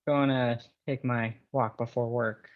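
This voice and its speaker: A man's voice: medium pitch, level tone, unhurried, narrow, tinny audio, lightly acted. A man playing a wary, defensive coal miner with a hesitant delivery at a script table read. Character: wary, defensive miner reluctant about the union.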